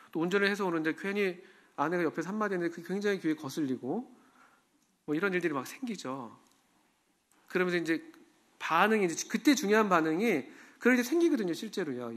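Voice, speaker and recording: A man's voice: fairly high pitch, a bit bright. A man preaching a sermon in a church, talking conversationally and asking the congregation questions. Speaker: pastor.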